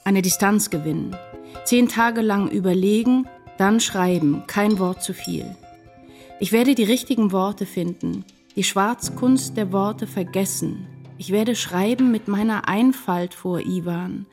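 A woman's voice: medium pitch, a little slow, darkish tone, close to an everyday voice. Woman actor for literary radio play: anxious, lovelorn writer narrating confessionally, intense and tender, faint music underneath. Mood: longing, resolute. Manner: intense, confessional first-person storytelling. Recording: music behind the voice.

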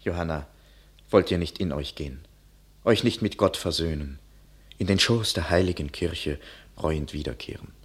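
A man's voice: sits low, normal speed, slightly rough. An actor playing an earnest, protective countryman who pleads solemnly in classic German radio drama style. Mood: pleading. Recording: faint background ambience.

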